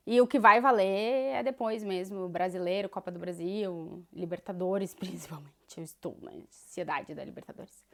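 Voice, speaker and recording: A woman's voice: mid-range voice, a bit bright. A woman in her thirties with a Gaúcho Brazilian accent, a sports journalist chatting casually as she answers viewer questions, dotting her talk with fillers. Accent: Gaúcho Brazilian Portuguese. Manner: chatty and thoughtful, many fillers like "né" and "assim". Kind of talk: casual Q&A vlog.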